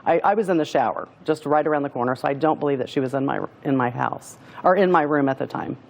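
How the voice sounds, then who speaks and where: Woman guest on a talk show, hesitant, kinda halting, unsure of her words. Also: sits low, vocal fry, darkish tone. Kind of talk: emotional personal testimony.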